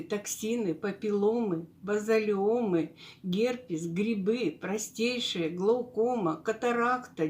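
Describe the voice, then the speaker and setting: Earnest older woman in her seventies, steady mid-pitched testimonial. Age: 70s. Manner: earnest, list-like recital. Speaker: pharmacist giving a testimonial.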